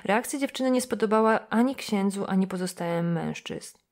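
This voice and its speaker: Kobieta, lektorka audiobooka, czytająca powieść w spokojnym, wyważonym tempie. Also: female voice, mid-range voice. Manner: measured, even reading. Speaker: audiobook narrator. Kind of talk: scripted novel narration.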